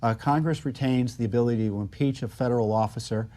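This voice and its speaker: Here a political commentator, a man with an American accent, talks unscripted in a measured, halting manner while pressing pointed arguments. His pitch is medium and his tone is dark.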